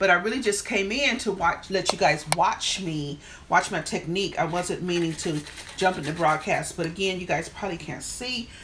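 A woman with ordinary pitch variation over light background noise. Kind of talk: casual live-stream tutorial. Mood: cheerful and chatty. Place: kitchen. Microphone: phone near.

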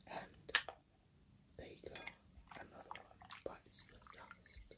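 A woman is whispering. Her pace is very slow. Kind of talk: ASMR nail removal demonstration. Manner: softly spoken, whispered.

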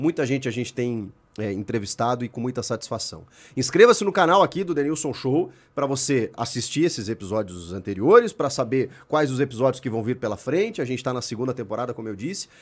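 Speaking at a very fast pace with lively intonation, a man with a Brazilian accent talks at medium pitch over a quiet background. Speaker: sports journalist, co-host. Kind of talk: casual interview. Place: studio. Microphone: studio mic.

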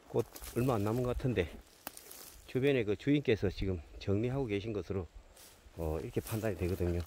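Speech at a fairly quick pace carries lively intonation, recorded with a dry sound with no echo over light background noise. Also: man, fairly low pitch for a man. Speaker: rural exploration vlogger. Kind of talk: casual vlog commentary. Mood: nostalgic, reflective. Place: open country. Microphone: phone near.

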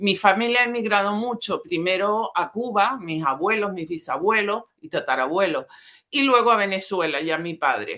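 Over a quiet background, a woman talks at a fairly slow pace. Her tone is bright and sharp, with lively intonation. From Canary Islands (Icod, Tenerife); Canary Islands. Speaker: novelist, retired teacher; retired teacher. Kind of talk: interview. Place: home room.

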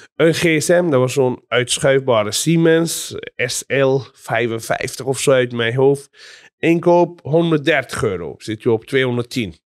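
On a very clean recording with a silent background, a man speaks at a very slow pace. His pitch is medium, with ordinary pitch variation. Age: 40s. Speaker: entrepreneur. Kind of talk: interview. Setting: at his home. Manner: hesitant with many fillers.

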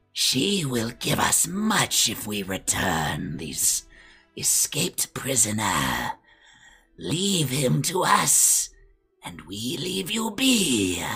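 Doing a put-on character voice, a man speaks raspy and very slowly at medium pitch, with faint music in the background. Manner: menacing, hissing.

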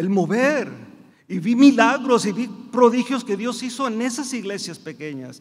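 The speaker is male. His pitch moves up and down normally. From United States. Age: 50s. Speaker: pastor. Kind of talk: sermon. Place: church. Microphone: podium.

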